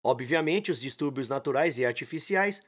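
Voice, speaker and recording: A man reading a memoir aloud as an audiobook, lively and dramatic, acting out quoted lines. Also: mid-range voice, moderate pace. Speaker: audiobook reader. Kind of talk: expressive audiobook narration.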